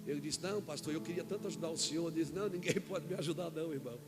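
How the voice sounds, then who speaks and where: Brazilian pastor preaching over music. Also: male voice, a little high, racing. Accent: Brazilian Portuguese. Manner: storytelling with quoted dialogue, shouting at peaks. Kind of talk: sermon. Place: church event hall.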